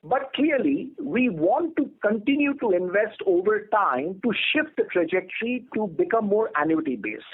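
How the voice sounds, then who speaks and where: A man speaking as a company executive, answering on an earnings call in a measured, emphatic corporate manner. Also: sits high, expressive, breathy edge. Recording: narrow telephone conference line.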